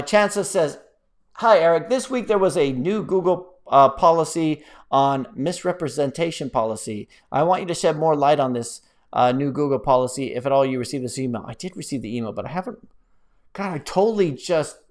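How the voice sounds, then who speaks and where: A man hosting a casual live stream, chatting in a rambling, playful, animated way as he reads out and answers viewer comments. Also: on the high side. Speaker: live-stream host, app developer.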